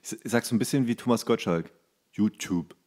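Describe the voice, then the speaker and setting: A man co-hosting a podcast in casual, comedic chat, often halting as he searches for words. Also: fairly low pitch, a little mellow. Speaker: podcast co-host.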